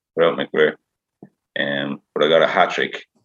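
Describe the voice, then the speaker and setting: A man with a Dublin accent speaks at a fairly quick pace. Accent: Dublin Irish. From Dublin, Ireland. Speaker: former footballer. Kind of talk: casual interview.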